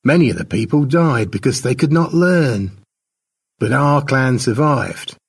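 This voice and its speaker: A man plays a tribal elder passing a sad legend down to the young. The telling is solemn and simple, with pitch that swings widely and a creaky, husky grain. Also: lively intonation, a little slow, distant mic, full character voice. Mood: earnest teaching.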